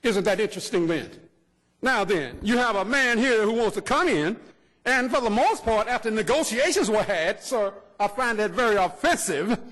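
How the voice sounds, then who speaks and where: High-pitched, combative activist, reverberant council chamber. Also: male voice, a bit bright. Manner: fiery, confrontational, rhetorical questions. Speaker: public commenter, political activist. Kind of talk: impassioned public comment. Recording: long reverb in large chamber.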